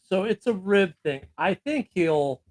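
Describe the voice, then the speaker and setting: A man's voice: high voice, lively intonation, measured pace. A man co-hosting a casual sports chat show, talking loosely with fillers and laughs. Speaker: podcast co-host.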